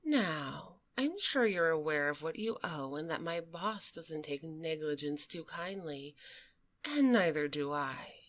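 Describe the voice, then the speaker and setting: Woman voicing female dragon mob enforcer, ASMR roleplay, slightly low voice, very slow drawl, soft and close-miked, sassy, cool, taunting, menacing. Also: lively intonation. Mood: calm, threatening. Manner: cool, taunting, condescending, drawn-out delivery. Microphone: close binaural microphone.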